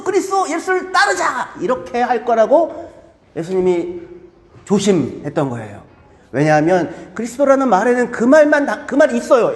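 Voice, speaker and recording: A man preaching a sermon as a pastor, animated and acting out voices with shouts. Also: very high voice. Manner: animated, acts out crowds and disciples with shouts. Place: church. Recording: echoey church hall.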